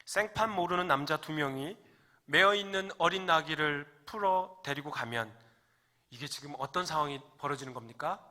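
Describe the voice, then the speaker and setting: A man's voice: fairly high pitch, normal speed, pushed and bright. A man preaching a Sunday sermon as pastor in a church sanctuary, talking conversationally, asking the congregation questions and joking with them.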